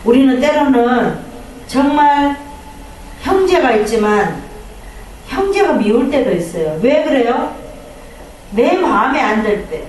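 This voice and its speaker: A woman pastor preaching a sermon, animated, acting out quoted prayers and complaints. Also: sits high, a little slow, pauses often, a little hiss or hum. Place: church sanctuary. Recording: echoey hall from far off.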